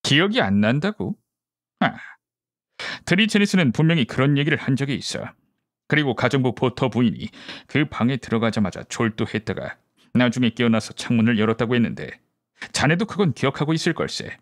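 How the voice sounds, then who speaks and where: A man performs a brisk male detective from an audiobook mystery. He lays out deductions methodically and gives orders with assurance. The voice sits at a medium pitch in a dry, close sound. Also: lively intonation, dry recording, natural voice. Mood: analytical, assured. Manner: deductive, explanatory, commanding. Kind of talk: audiobook character dialogue.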